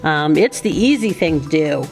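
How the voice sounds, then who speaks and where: A woman's voice: low voice, animated, moderate pace, creaky, a little mellow, faint music behind. A woman in her fifties, a stay-at-home mom chatting casually to her viewers as friends while cleaning her home. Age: 50s. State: out of breath. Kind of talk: casual clean-with-me voice-over chat.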